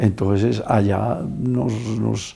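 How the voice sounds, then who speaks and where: A man with a dark, mellow tone talks at a fairly low pitch, his intonation fairly even. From Colombia, Antioquia (Sonsón). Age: 80s+. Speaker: elderly local resident interviewed about town history. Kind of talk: interview storytelling. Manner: hesitant, with frequent fillers.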